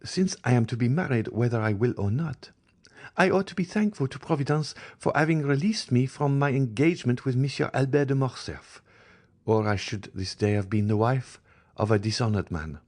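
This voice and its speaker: A man voicing a timid, gentle young girl who speaks softly and hesitantly, in a reading of a classic novel. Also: mid-range voice, moderate pace, voice pushed up, lightly acted. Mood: resigned. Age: young adult. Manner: timid, soft-spoken.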